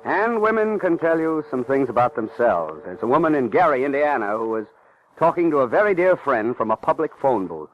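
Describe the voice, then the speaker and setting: Male old-time radio narrator, lively intonation. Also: medium pitch, a little fast, slight background noise. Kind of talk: dramatic scripted radio narration. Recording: muffled old radio recording, music.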